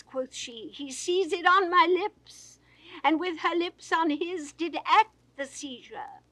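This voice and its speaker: An older woman giving a grand, theatrical reading of classical verse, swelling and then dropping to a hush. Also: high-pitched, no echo. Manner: grand theatrical delivery with sweeping swells and hushed falls. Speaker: poetry reader. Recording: dry 1960s studio recording.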